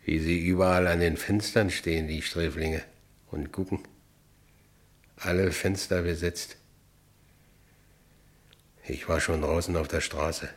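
An actor playing a brooding, restless working-class ex-convict with a Berlin accent in a radio play. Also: male voice, deep voice, fairly even intonation, measured pace, pauses often. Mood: brooding, wistful. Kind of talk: radio play first-person narration.

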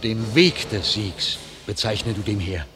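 An actor playing a loyal, protective French knight in a classic radio drama, declaiming verse earnestly. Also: male voice, on the low side, a little slow, fairly bright tone, a little hiss or hum. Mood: earnest, warning. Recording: reverberant hall sound, music.

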